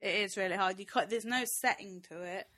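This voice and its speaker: A woman's voice: mid-range voice, fairly quick, crowd noise. A woman with a Nottingham accent chatting casually as a podcast co-host. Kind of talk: casual chat.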